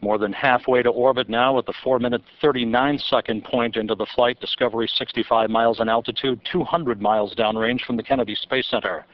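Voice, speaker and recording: A man giving live launch commentary from mission control, reading flight figures in a steady, measured way. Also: medium pitch, no room sound. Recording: dull broadcast audio.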